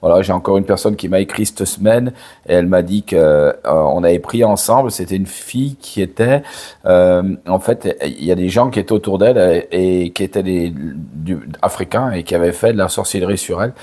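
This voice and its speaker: An older man, hoarse from a cold, chatting slowly to camera with many hesitations and restarts. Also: low-pitched, mellow. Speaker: father and channel host. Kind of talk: casual direct-to-camera chat.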